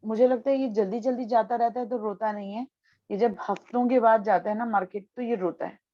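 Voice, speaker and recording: A mother of an autistic child talking in an animated way about her son's crying and what she tries. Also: on the high side, dry recording, highs cut off. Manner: animated, storytelling, worried. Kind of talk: casual conversation, describing her experience.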